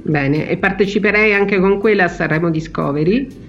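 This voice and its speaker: High-voiced male interview host. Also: moderate pace, fairly bright tone, a little hiss or hum. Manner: chatty, joking, encouraging. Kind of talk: conversational interview hosting. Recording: dull lo-fi sound.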